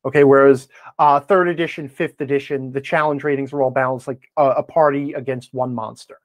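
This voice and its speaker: Male podcast guest, mid-pitched, emphatic conversational storyteller, dry recording. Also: steady tone, fairly quick, no echo. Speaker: guest, tabletop gaming blogger. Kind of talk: casual interview talk with anecdotes.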